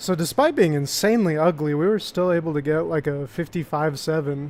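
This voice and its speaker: A man talks at a fairly quick pace, fairly high in pitch. He has an unremarkable speaking voice. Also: ordinary pitch variation. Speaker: sim racing streamer. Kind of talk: live gameplay commentary. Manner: casual, filler-heavy.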